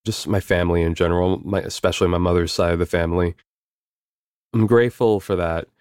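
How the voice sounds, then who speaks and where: A young man with a very deep, low voice talks through interview questions in an easygoing, meandering way, full of ums and the odd swear. He's from New York, and the recording is dry and close with no room sound. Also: a little mellow, no echo. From New York, USA. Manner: easygoing, rambling, frequent fillers and swearing. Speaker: voice actor interviewee. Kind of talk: casual interview answers.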